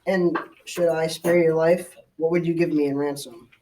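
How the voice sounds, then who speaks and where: A man's voice: on the high side, level tone, moderate pace, dark tone, far from the mic, lightly acted, rough recording. A teenage boy playing a stern, commanding Black Knight in a school radio drama, with formal, archaic speech. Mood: challenging.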